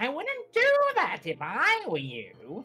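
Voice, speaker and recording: Someone performs in a put-on character voice. The pace is fairly slow. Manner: ominous.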